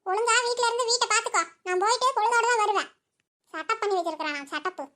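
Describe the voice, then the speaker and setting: A bossy old village mother-in-law in a cartoon, as a woman voices her, who fires off teasing scolds at a breakneck clip. Her voice sits very high and thin, and she barely pauses between jabs. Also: bright, forceful tone. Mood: scolding. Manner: teasing and scolding, quick retorts. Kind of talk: cartoon voice acting.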